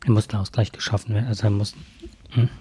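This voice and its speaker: Man, husky mellow voice, medium pitch, halting explanatory delivery, formal wording, dry sound. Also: fairly even intonation, dry recording. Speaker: podcast co-host. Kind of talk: conversational explaining from notes.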